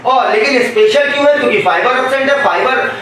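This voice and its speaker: A man's voice: very high voice, brisk, fairly bright tone, slight background noise. A man teaching biology to a class. He calls the students "beta" and keeps asking questions for them to answer. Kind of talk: classroom lecture. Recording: echoey classroom from far off.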